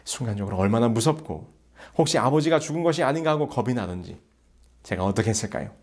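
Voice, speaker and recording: A man preaching a sermon as pastor, telling a story in a slow, measured way and rising into emphatic calls. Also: mid-range voice, lively intonation.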